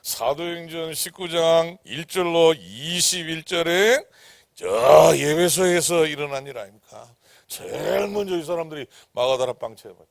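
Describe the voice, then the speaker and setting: A man preaching a sermon as pastor, who swings from loud, emphatic declarations to hushed whispers and keeps asking the congregation questions. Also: fairly high pitch, unhurried, gravelly, no echo, studio quality. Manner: asks the congregation rhetorical questions. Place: church sanctuary.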